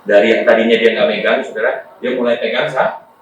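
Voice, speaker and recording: Lively pastor preaching in an echoey church. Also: male voice, lowish voice, brisk, a little hiss or hum. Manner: lively preacher, often addresses the congregation. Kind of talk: sermon with personal stories. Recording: echoey church hall from far off.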